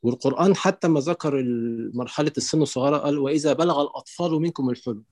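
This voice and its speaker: A man with an Egyptian accent calling in to an online lecture, setting out his view slowly through many fillers and restarts. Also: on the high side, a little mellow, dry recording, clean studio sound. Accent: Egyptian Arabic. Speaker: caller. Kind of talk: call-in question on an online lecture.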